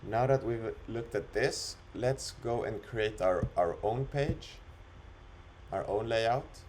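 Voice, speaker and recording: A man talking through an unscripted screen-recorded software demo, explaining it step by step in an instructional way. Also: on the low side, takes it slowly, a little hiss or hum. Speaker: software demonstrator.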